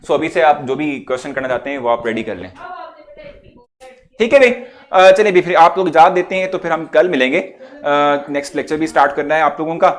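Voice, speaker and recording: Man, high voice, Pakistani Urdu accent, chatty online chemistry teacher, keeps checking in. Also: fairly quick. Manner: chatty, coaxing, checks in often with students. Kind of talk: live online class lecture.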